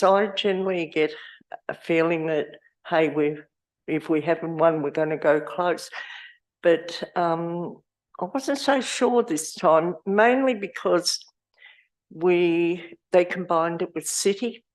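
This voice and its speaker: Hoarse woman at a lectern. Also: fairly low pitch, slow, a little mellow, poor audio. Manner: chatty, rambling, with restarts and laughs. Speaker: community award volunteer. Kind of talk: informal speech at a council meeting. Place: council chamber. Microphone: lectern microphone.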